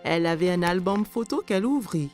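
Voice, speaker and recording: A woman narrating a scripted story for young children in a clear storytelling manner. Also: lowish voice, expressive, a little fast, darkish tone, soft background music.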